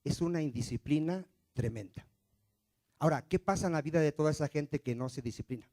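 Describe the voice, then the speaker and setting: A man's voice: on the high side, brisk, mellow. A male pastor preaching a sermon in church and pressing the congregation with rhetorical questions.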